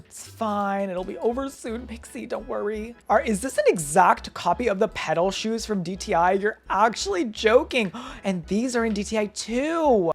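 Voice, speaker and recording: A young woman giving casual, dramatic gameplay commentary as a gaming YouTuber, reacting with loud exclamations. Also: mid-range voice. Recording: faint background music.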